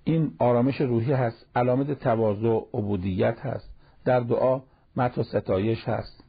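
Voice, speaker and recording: A man with a gravelly, husky voice preaches in an easy, talky way and slips in recited Arabic verses. He, and the sound is dull and lo-fi, like an old radio broadcast. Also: medium pitch. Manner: plain conversational preaching, quotes Arabic verses. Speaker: cleric giving a Quran commentary talk. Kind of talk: sermon-style Quran commentary.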